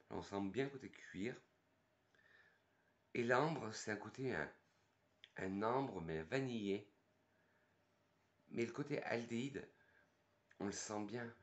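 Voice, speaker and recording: A man's voice: on the low side, highs cut off. A man from France with a French accent, casually reviewing perfumes and thinking aloud with fillers and restarts. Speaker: perfume youtuber and sales advisor.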